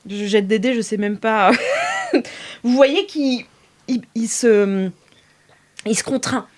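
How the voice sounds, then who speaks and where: A woman's voice: a little high, slow, darkish tone. A young woman narrating as game master of an improvised tabletop game, hesitating with fillers and laughing often.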